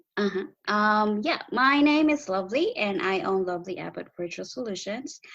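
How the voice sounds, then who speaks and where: Speaking with a Filipino accent, a woman keeps a fairly slow pace. Her intonation is lively. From Philippines. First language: Filipino language. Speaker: entrepreneur, graphic designer. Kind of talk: interview. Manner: hesitant, many fillers.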